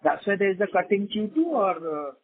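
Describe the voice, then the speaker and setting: A man with an Indian accent speaks in a fairly high voice as an analyst putting questions on a business call. The line is thin and tinny, like a telephone. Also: sing-song, brisk. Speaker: financial analyst asking questions. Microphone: phone.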